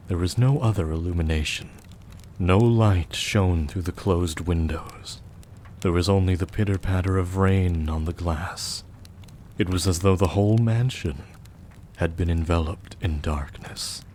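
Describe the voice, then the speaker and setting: A man narrating a scripted audio drama in a measured storytelling manner. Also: sits low, mellow. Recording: faint background noise.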